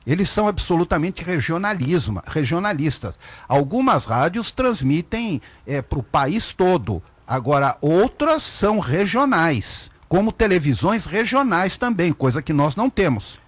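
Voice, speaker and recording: A Brazilian man co-hosts a radio talk show, giving emphatic, opinionated commentary. His voice is slightly raised and moves lively up and down. The sound is close and dry. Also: fairly high pitch, measured pace, no echo. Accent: Brazilian Portuguese.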